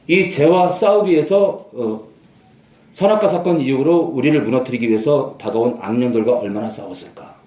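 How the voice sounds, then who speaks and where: Emphatic male pastor in an echoey hall. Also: warm tone. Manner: emphatic, repeats phrases and rises in pitch to stress points. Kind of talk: sermon.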